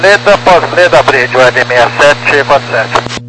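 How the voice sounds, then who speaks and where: A man's voice: medium pitch, a little slow. A Brazilian man speaking as an airline pilot over the radio, giving clipped readbacks in aviation phraseology. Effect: aircraft radio transmission. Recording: noisy humming aircraft radio channel.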